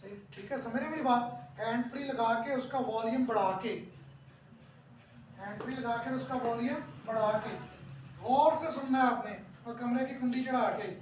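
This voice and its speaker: A teacher trainer giving a workshop lecture, repeating key phrases, asking the audience questions, and reading English lines aloud slowly. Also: mid-range voice. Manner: reads English lines aloud slowly, one word at a time. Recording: very echoey room, distant mic, faint noise.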